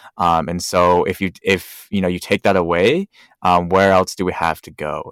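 A man with an American accent, very deep, low pitch, monotone flat intonation and a moderate pace, in a very clean recording with a silent background and a dry, close sound with no echo. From California, US West Coast. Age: 20s. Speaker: youth advocate and community organizer. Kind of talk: casual podcast interview. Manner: halting, many fillers.

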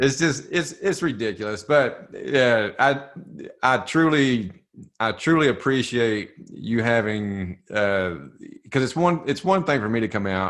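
This man speaks with a Southern US accent at a medium pitch. His pace is fairly slow and his intonation is lively. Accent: Southern US (Georgia). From US South. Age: 40s. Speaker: podcast host. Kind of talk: casual chat.

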